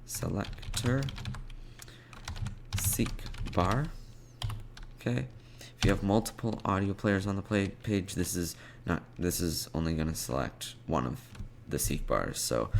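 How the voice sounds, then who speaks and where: A man narrates a coding screencast as he works, thinking aloud in short, unscripted fragments. His voice is very low with a creaky fry, and he takes his time. Clear background noise sits behind him, with keyboard typing and mouse clicks. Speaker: programming tutorial presenter.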